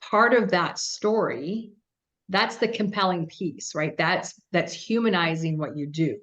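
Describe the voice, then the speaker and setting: A woman's voice: fairly low pitch, measured pace, a bit bright, highs cut off. A woman business coach in a conversational coaching session, guiding with questions and often checking in with "right?". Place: video call.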